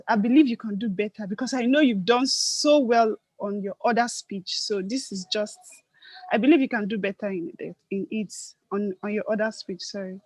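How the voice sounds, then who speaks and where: A soft-spoken woman gives a gently encouraging speech evaluation. Her voice sits a little high. The sound is dry and close. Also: no echo, poor audio. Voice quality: soft, low-volume voice. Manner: gently encouraging, self-correcting.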